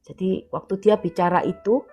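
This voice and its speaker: A woman's voice: fairly low pitch, normal speed, mellow, slightly rough, muffled recording, soft background music. A woman preacher giving an emphatic sermon at an online prayer meeting. She repeats key words and acts out quoted dialogue. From Indonesia.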